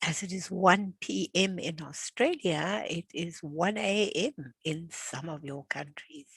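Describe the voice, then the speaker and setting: A woman's voice: lowish voice, slow, vocal fry, a bit bright, breathy edge, no echo. An older woman at home chatting as the instructor of an online class over a video call, friendly and full of fillers and restarts. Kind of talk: casual chat before an online class.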